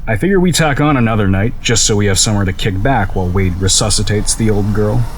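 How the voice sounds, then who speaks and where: A man's voice: lowish voice, quick pace, a little hiss or hum, lightly acted. Dry, guarded young man acted. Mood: dry, calm. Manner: dry, understated, casual. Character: Hanson, guarded, grumpy young man, dryly stoic. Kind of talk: naturalistic audio drama dialogue.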